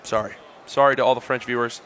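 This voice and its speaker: Man, esports co-caster, joking easygoing banter, bright voice. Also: medium pitch, fairly even intonation, quick pace, slight background noise. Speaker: esports commentator. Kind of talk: casual caster banter between matches.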